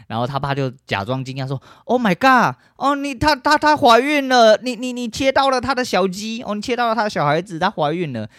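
A man voicing a middle-aged father who fakes shock, with a high, stammering, mock-alarmed delivery. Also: steady tone, fast, few pauses, no room sound, studio quality, close to an everyday voice.

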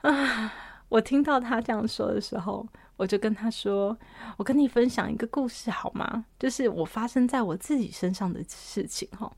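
Animated woman telling a story. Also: fairly high pitch, normal speed, vocal fry, breathy edge, no room sound. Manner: animated storyteller, laughs often, shifts between soft and loud. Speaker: podcast host and counselor. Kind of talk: personal storytelling talk.

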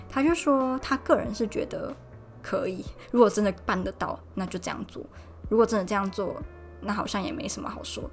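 Chatty young Taiwanese woman podcaster. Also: medium pitch. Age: young adult. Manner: chatty, recounts dialogue with animated quoted voices. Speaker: podcast host. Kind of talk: casual solo podcast storytelling. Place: Poland.

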